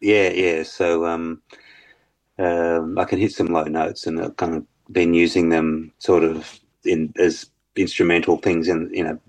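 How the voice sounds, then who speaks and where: A man with a very low bass voice, talking hesitantly as a musician guest in an interview, with many fillers and restarts. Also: flat delivery, unhurried, darkish tone. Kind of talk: casual interview chat.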